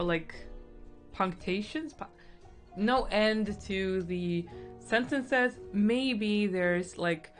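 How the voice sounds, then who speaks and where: A young woman streaming while she paints, chatting casually and thinking out loud, with lots of fillers and giggles. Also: on the low side. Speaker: artist streaming a painting session. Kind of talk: casual stream-of-consciousness chat. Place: indoors at home. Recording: faint background music.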